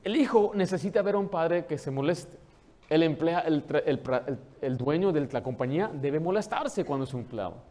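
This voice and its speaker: A man preaching a sermon as pastor, animated, asking the congregation questions and acting out the people he quotes. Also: a little high, moderate pace. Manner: acts out quoted dialogue in changed voices.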